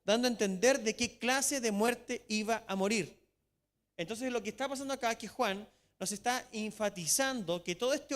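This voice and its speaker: High-voiced Chilean pastor preaching. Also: male voice, a bit bright. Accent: Chilean Spanish. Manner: emphatic, slows down to stress key words. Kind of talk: sermon with scripture reading. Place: church sanctuary. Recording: long church reverb.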